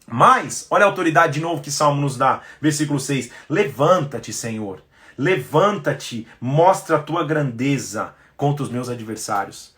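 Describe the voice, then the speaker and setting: A man giving a devotional Bible commentary, colloquial and animated, acting out the psalmist's pleas. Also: mid-range voice, a little slow. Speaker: pastor leading a Bible reading series.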